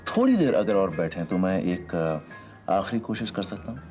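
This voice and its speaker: A man's voice: low voice, sing-song, a little mellow, soft background music. An actor playing a hesitant young man confessing his love, in a TV serial drama. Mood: tender, hesitant. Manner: halting, tender.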